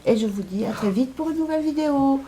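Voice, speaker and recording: A woman's voice: high voice, animated, quick pace, very noisy. A middle-aged woman chatting casually in a shopping haul video, hesitant with lots of fillers. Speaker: haul vlogger. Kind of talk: casual chat.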